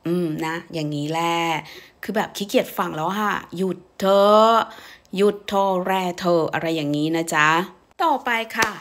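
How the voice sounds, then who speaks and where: A woman's voice: fairly low pitch, moderate pace. Thai girl vlogging a language lesson, playful and chatty, drops french phrases.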